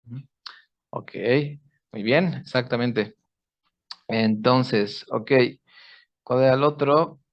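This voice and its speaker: A man's voice: mid-range voice, slow pace, pauses often. A man teaches pronunciation in an online class, walking his students through each sound step by step. He checks in with them often. The audio is a bit dull and lo-fi, like a video call. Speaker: English teacher.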